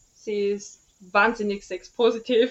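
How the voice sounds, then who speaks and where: A woman with an Austrian accent and a fairly high pitch. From Austria, rural mountain village. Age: 20s. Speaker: author. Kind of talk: interview.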